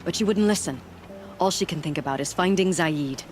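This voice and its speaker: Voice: mid-range voice, a little fast, soft background music, lightly acted. A performer playing an embittered, grieving tribal villager in a video game, speaking earnestly and emotionally, pleading. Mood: bitter, pleading. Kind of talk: video game dialogue acting.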